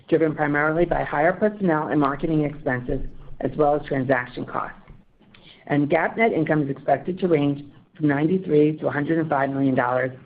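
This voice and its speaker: A woman executive reading a scripted financial report in a formal, measured way over a conference phone line. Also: low voice. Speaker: company financial executive on earnings call.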